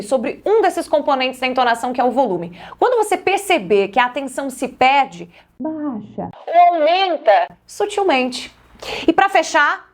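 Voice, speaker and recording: High-voiced Brazilian woman coaching voice. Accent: Brazilian Portuguese. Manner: expressive, addresses the viewer directly with instructions. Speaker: voice and communication coach. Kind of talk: YouTube speaking-tips lesson.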